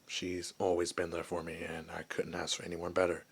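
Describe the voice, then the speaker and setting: A man playing a gentle, lonely werewolf who was once human, in a soft, hesitant, confiding ASMR roleplay voice. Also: sits low, monotone, fairly quick, creaky, breathy edge, heavily acted. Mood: fond, earnest. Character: gentle, lonely male werewolf, former human, wistful outcast.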